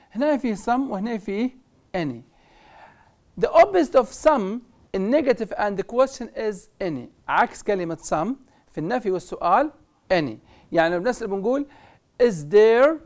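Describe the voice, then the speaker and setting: On a television program, a woman with a Libyan Arabic accent teaches English grammar. Her medium-pitched voice is a little mellow; she reads the English examples slowly and deliberately, then explains them at a quick clip.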